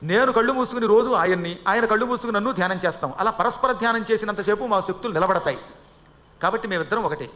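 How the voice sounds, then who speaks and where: The goddess Lakshmi, a gentle wife, explains herself calmly and softly, as a man puts her on in a sermon. The voice is bright and high for a man, delivered somewhat lower and quieter than his usual speech. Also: quick pace.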